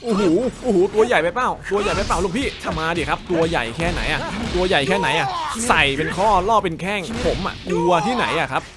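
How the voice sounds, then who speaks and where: High-pitched man, slightly sore throat, animated game commentary, loud game music behind. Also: quick pace, few pauses. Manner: animated, yells and repeats words during fights. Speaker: gameplay commentator. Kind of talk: excited Let's Play commentary.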